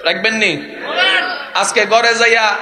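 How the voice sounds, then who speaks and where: A man preaching a waz sermon at a large gathering. He shouts to the crowd and calls for responses, then drops to soft, close tones. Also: high voice, steady tone, measured pace. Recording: echoey PA sound with loud crowd noise.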